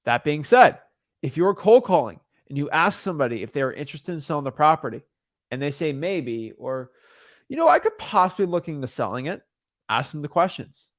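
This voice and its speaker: A man's voice: a little high, very animated, fairly quick, no echo. Young male coach, casual and repetitive delivery, tenor-leaning voice in a dry room. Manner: rambling, repetitive, frequent fillers and restarts. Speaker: real estate wholesaling coach. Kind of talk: casual talking-head advice.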